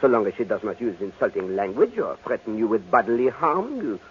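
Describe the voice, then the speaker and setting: An actor playing a shrewd, courteous foreign detective with a French accent in an old-time radio drama, speaking formally and probingly. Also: male voice, lowish voice, big pitch swings, a little hiss or hum. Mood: probing, candid. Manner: formal, measured, gently probing. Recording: tinny, band-limited old radio recording.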